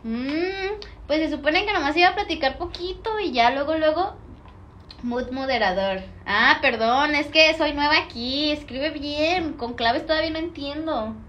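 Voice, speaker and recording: A woman's voice: high-pitched, measured pace, a bit bright, highs cut off, slight background noise. A young woman with a Mexican Spanish accent chatting casually on a livestream, reading viewer comments, slangy and playful, laughing often.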